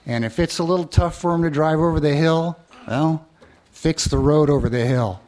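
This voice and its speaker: A man's voice: on the high side, normal speed, darkish tone, a little hiss or hum. A man making a blunt, dismissive point during public comment at a hearing.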